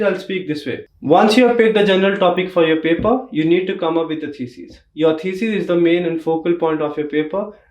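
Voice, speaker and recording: A young male test prep teacher with an Indian accent gives exam tips in an emphatic instructional tutorial, repeating the key points. His voice is high-pitched and the room reverberates.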